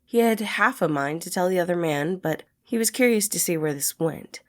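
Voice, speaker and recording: A woman's voice: fairly low pitch, animated, normal speed. A woman reading scripted story narration as an audiobook-style narrator. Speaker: podfic narrator.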